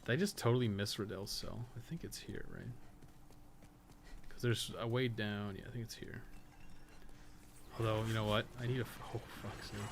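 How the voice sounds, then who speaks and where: A game streamer who also co-hosts a podcast rambles casually through live gameplay commentary, thinking out loud and cursing freely. His voice is fairly low, his pace moderate, broken up by long pauses. The stream audio is clearly noisy.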